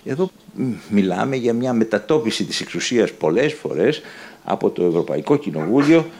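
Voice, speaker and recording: A man's voice: fairly low pitch, expressive, vocal fry, darkish tone. A man speaking as a panelist, reflective and earnest. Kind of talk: panel discussion.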